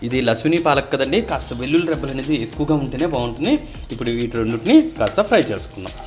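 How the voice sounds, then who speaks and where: A man's voice: medium pitch, lively intonation, rapid-fire, darkish tone. A man narrating a cooking recipe step by step, addressing viewers directly in an instructional way. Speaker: host of a cooking channel.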